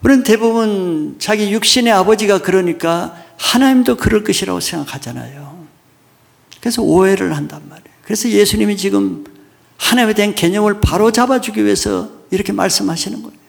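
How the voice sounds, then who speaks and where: A male pastor delivers a sermon in a storytelling way, often turning to his listeners with questions. His voice sits a little high for a man and carries a gravelly fry. He speaks in an even, explanatory way. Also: a little fast.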